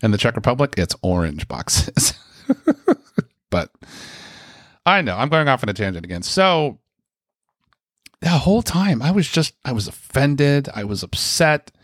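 A man's voice: medium pitch, very animated, unhurried, pauses often, no echo, clean studio sound. An American man, telling a personal story in a rambling, chatty way with lots of fillers and asides. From United States. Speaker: speaker sharing a personal story. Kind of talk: casual storytelling.

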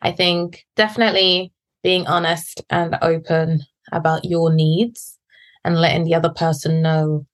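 A woman born in Guyana and raised in England, co-hosting a casual podcast chat in a relaxed way, quick to laugh. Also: sits low. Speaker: podcast co-host.

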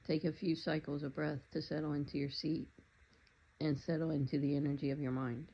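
Meditation guide, steady flat delivery, soft calm instructions, slightly muffled lo-fi recording. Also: mid-range voice, breathy edge. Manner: calm, unhurried, gently instructive.

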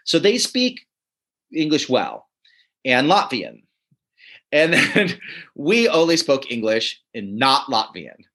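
A man who writes and teaches comedy, telling stories in a relaxed interview, often chuckling and restarting his sentences. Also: medium pitch, slow, long pauses. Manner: animated, chuckling, many restarts. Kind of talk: casual interview storytelling.

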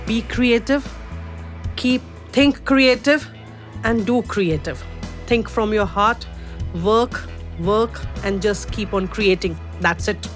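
A middle-aged woman from India whose first language is Urdu, a guest artist talking in a casual interview, halting with many fillers and restarts. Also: on the high side, soft background music.

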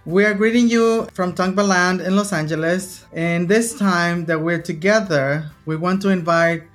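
A woman hosting a podcast, giving a ceremonial introduction in an effusive, deliberate way. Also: fairly low pitch, soft background music. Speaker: podcast host.

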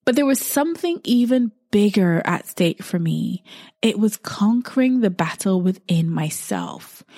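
A woman's voice: mid-range voice, darkish tone, no room sound, clean studio sound. A woman, hosting a solo podcast and telling a personal story in a reflective, conversational way. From Barbados. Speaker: podcast host.

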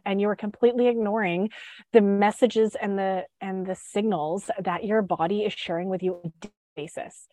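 Congested from a head cold, this woman still sounds upbeat as she talks casually on a live stream, stumbling into fillers and restarts along the way. She hosts a podcast and works as a sugar freedom coach, and her medium-pitched voice comes through with no room sound.

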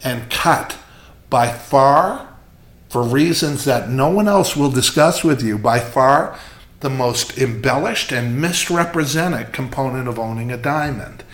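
A man's voice: mid-range voice, a little slow, fairly bright tone. A man hosting a casual podcast about jewelry, telling candid stories with emphasis. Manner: chatty storyteller, candid and emphatic. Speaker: jeweler and show host.

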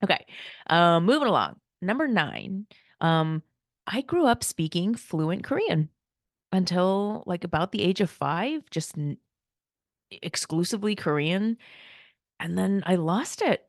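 A woman's voice: fairly low pitch, very animated, a little slow, no echo, studio quality. A woman, chatting casually and light-heartedly as a podcast host, laughing often. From United States. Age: 40s. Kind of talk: casual personal chat.

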